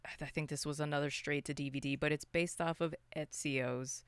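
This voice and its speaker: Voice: mid-range voice, steady tone, brisk, clear, resonant tone, no echo. A podcast co-host chatting casually about films in a loose, rambling, unscripted way. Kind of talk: casual unscripted film discussion.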